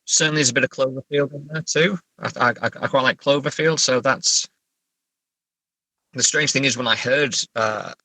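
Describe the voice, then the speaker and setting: A man's voice: medium pitch, moderate pace, pushed and bright, no room sound, poor audio. A middle-aged man chatting casually as a guest writer, hesitant and self-deprecating, often stammering. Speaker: guest writer discussing own story. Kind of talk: casual interview chat.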